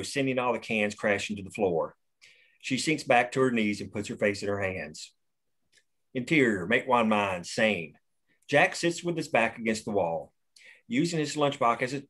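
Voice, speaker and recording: A man's voice: on the low side, a bit bright. A man reading the stage directions of a screenplay steadily at a table read.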